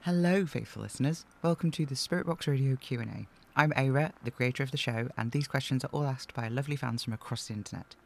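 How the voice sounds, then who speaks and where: Creaky-voiced man hosting a podcast. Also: mid-range voice. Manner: informal, conversational. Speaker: audio drama creator and host. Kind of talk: chatty Q&A podcast talk.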